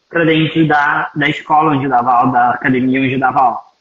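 A man speaks at a very fast pace. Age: 20s. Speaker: psychotherapist and hypnotherapy teacher. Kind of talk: interview.

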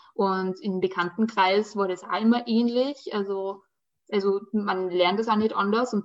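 Speaking very slowly with a Salzburg accent, a woman uses a medium pitch and ordinary pitch variation. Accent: Salzburg Austrian German. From Austria, Salzburg region (rural village). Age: 20s. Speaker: student. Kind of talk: casual chat.

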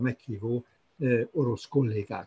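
In a dry, close recording with no echo, a man with a dark, mellow tone and medium pitch speaks at a fairly slow pace, somewhat breathy. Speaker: historian. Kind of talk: interview.

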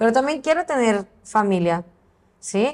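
Her high-pitched voice comes through on a very clean recording against a silent background. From southern Brazil. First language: Portuguese (speaking Spanish). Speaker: lawyer and business owner. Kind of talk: interview.

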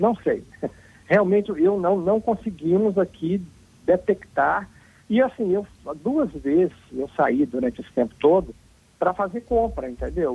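At a fairly slow pace, a man speaks high in pitch with lively intonation. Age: 50s. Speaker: cartoonist, Covid survivor. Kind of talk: radio interview, personal testimony. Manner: halting, repeats words.

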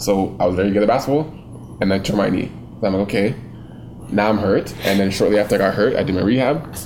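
Over noticeable background noise and audible room echo, a man with a fairly low pitch talks very fast with lively intonation and very even loudness. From Toronto. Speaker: artist and photographer. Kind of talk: casual chat.

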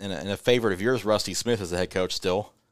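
A man speaks at a fairly low pitch with ordinary pitch variation. It is an unremarkable speaking voice on a very clean recording with a silent background. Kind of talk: casual chat.

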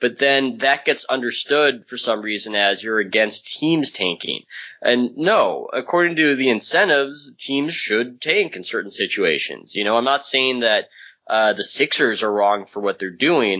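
A man with a plain, everyday voice and an American accent, at a moderate pace. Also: medium pitch for a man, lively intonation. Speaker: sports writer. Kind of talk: casual podcast interview.

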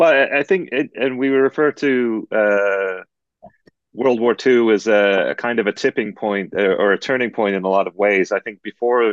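A man with an ordinary speaking voice and a Canadian accent talks at a moderate pace with ordinary pitch variation, the sound dry and close with no echo over a quiet background. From Canada. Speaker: cycling advocate and marketing manager. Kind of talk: interview. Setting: video call.

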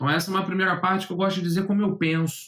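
The speaker is a man. His voice has a high pitch. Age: 40s. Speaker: teacher. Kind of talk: casual chat.

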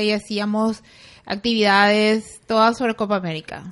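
Over a quiet background, a woman talks at a moderate pace. Her fairly high voice holds a monotone, flat intonation. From Paraguay. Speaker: football fan, mother of footballers. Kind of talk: interview.

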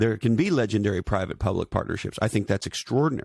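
A man talks at a medium pitch. The recording is very clean with a silent background and a dry, close sound with no echo. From Canada, Montreal. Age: 50s. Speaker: entrepreneur and author. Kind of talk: casual interview.

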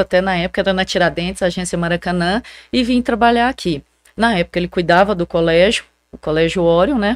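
The recording is very clean, with a silent background and a dry, close sound with no echo. A woman with an unremarkable speaking voice talks at a fairly quick pace, at medium pitch with ordinary pitch variation. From Goiás, Brazil (born in Goiânia). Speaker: state legislator and mayor's wife. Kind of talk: casual interview.

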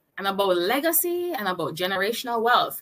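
A woman is speaking here. Her tone is bright and sharp, and her pitch swings very widely. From Jamaica. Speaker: podcast host and digital entrepreneur. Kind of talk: scripted opening monologue then interview.

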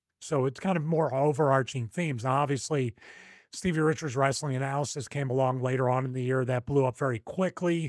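Delivery is fairly quick, in a dry, close sound with no echo. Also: man, medium pitch for a man, very clean recording, silent background. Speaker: podcast co-host. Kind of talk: casual chat. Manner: animated.

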